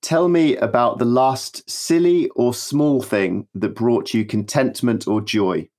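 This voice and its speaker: A man's voice: medium pitch, takes it slowly, a little mellow. A man hosting an interview podcast, chatty and now and then stumbling over his words. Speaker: podcast host.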